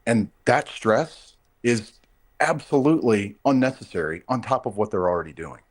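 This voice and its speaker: A man's voice: on the low side, expressive, moderate pace. A man speaking as a union representative in a live news interview, explaining things emphatically and off the cuff. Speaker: air traffic controllers' union representative, interview guest.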